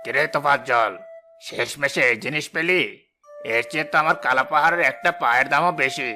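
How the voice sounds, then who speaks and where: A man's voice: medium pitch, a little fast, sharp tone, faint music behind. A man voicing a boastful, wealthy village man in a cartoon story, speaking with mocking contempt. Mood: scornful.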